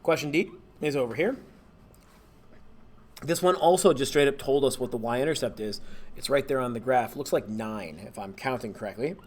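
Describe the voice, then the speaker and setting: A man, a math teacher, relaxed and thinking aloud as he walks through homework problems and corrects himself along the way. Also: medium pitch. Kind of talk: homework walkthrough screencast.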